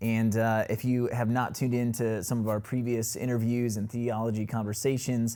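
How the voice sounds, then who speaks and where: A man's dark, mellow voice at a fairly quick pace. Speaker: family ministry host. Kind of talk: podcast host intro.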